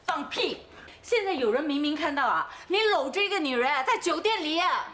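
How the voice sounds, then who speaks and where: An actress playing a jealous wife who shouts accusations and sobs while yelling at her husband in a TV drama. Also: sits high, lively intonation, a little fast. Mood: accusing. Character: jealous shrill wife, loud and quarrelsome. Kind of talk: TV drama acting.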